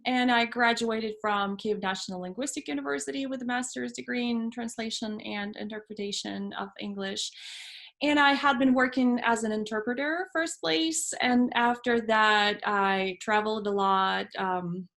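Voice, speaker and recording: A woman from Ukraine with a Ukrainian accent, an English teacher giving earnest, deliberate answers in an interview. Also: a little high, creaky, fairly bright tone.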